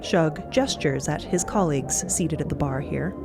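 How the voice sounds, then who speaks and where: Low-voiced woman storyteller. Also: normal speed, gravelly. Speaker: podcast narrator. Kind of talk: scripted fiction narration. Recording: loud music under the voice.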